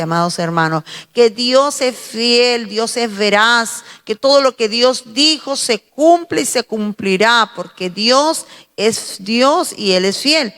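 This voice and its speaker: A woman with a Spanish accent from Spain giving a slow, emphatic morning devotional sermon, pausing and repeating her phrases as she preaches. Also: fairly high pitch, a bit bright, in a large hall.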